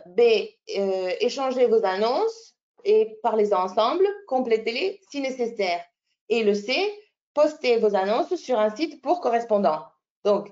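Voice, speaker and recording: A woman's voice: mid-range voice, a little mellow, lo-fi sound. A woman with an Italian accent presenting a teacher-training webinar, explaining step by step with fillers and restarts. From Italy. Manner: explanatory, many fillers and restarts, checks in with "d'accord?". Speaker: French language teacher trainer.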